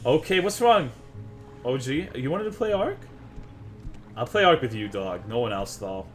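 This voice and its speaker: With faint music playing behind him, a man from Texas trades crude, profane jokes with his chat during a casual game stream. He speaks at a moderate pace in a mid-range voice that swings widely in pitch.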